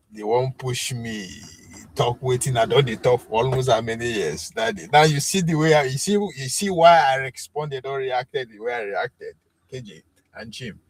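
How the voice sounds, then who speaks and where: A man's voice: medium pitch, dry recording. Nigerian guy rambling on his stream, sure of himself, lots of ums, dry close sound. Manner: rambling, self-assured, halting with fillers. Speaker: live stream host. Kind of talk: casual chat with chat commenters.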